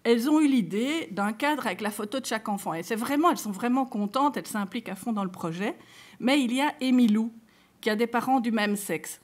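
A woman's voice: on the high side, fairly quick. A woman with a Belgian French accent giving a conference talk, speaking conversationally to the audience and reading example cases aloud. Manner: conversational, addresses listeners directly and reads case examples aloud. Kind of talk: lecture to a live audience.

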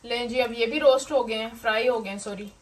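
A woman with a fairly high voice talks casually through a home recipe, explaining every step to her viewers. She sounds a little away from the mic. The kitchen noise behind her is clear. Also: steady tone, fairly quick. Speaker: home cooking host. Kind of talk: casual cooking demonstration. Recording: distant mic with noisy kitchen background.

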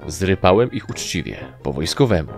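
A man narrating an audiobook in a very low, gravelly voice. His delivery is dry and wry, and it moves lively up and down. Faint music plays softly behind him. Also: moderate pace. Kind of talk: first-person audiobook narration.

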